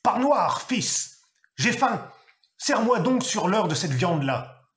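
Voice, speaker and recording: A man doing a gruff mad giant father. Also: fairly high pitch, sing-song, measured pace. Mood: commanding. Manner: harsh shouted orders.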